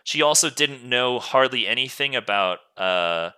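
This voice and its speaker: A man's voice: medium pitch, animated, measured pace, bright, forceful tone, clear, resonant tone. A young man hosting a podcast in casual chat, rambling along and often interrupting himself, recorded on a close mic. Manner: rambling, frequently self-interrupting. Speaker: podcast host.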